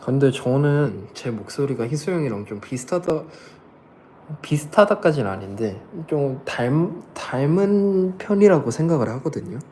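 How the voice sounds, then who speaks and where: A man's voice: medium pitch, sing-song, unhurried, darkish tone, slight background noise. A young man casually chatting with fans on a livestream, laughing often and answering comments. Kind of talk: casual live chat reading comments.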